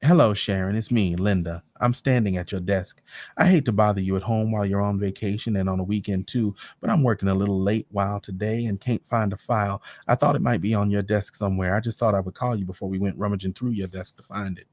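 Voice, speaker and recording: A man's voice: fairly low pitch, steady tone, fast, a little mellow, no room sound, studio quality, close to an everyday voice. A man reading a story, voicing a prying, overly polite office supervisor woman who keeps apologizing.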